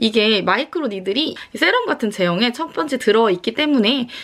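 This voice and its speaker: A woman's fairly high, animated voice at a fairly quick pace, lively intonation, over noticeable background noise. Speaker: beauty YouTuber. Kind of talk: product review tutorial. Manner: fast.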